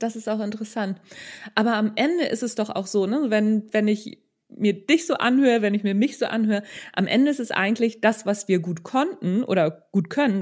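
Engaged woman interviewer, mid-pitched voice. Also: a little mellow. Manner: engaged, repeats phrases, seeks agreement with tags. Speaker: podcast host, interviewer. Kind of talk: casual conversational interview.

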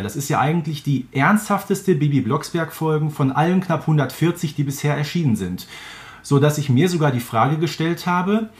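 A man from Germany co-hosting a podcast, talking in an emphatic, explanatory, conversational way. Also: a little high. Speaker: podcast co-host. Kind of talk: conversational interview with fan commentary.

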